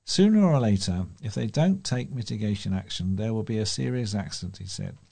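A man's voice: on the low side, animated, fairly quick, vocal fry, warm tone, breathy edge. A man with a British accent reading local news aloud as a volunteer newsreader.

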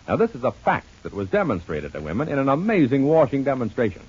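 A man's voice: sing-song, quick pace, a little mellow, husky. A man announcing and selling soap in the emphatic style of an old-time radio show, heard through an old muffled radio transcription. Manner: emphatic sales pitch.

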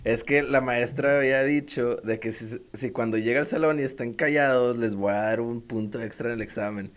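A man's voice: mid-range voice, normal speed. Young Mexican man, slangy and laughing. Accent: Mexican Spanish. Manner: laughing, slangy, quotes himself and others. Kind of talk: casual chat, telling a school story.

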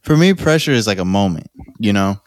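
A man's voice: fairly low pitch, expressive, a little fast, no room sound, studio quality. A man co-hosting a podcast, talking in a laid-back, casual way and laughing often. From United States. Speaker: podcast co-host. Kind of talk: casual chat.

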